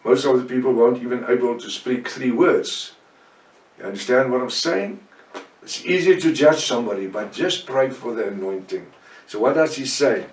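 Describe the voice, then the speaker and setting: A man's voice: mid-range voice, lively intonation, moderate pace. A man with an Afrikaans accent, preaching a fervent Bible-study sermon with prayers. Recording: echoey room, voice from far off.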